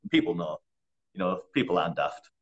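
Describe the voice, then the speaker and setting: A young man, a personal trainer, answering in a relaxed, chatty way with blunt wording and frequent laughs. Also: deep voice, fairly quick, lo-fi sound. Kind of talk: casual interview.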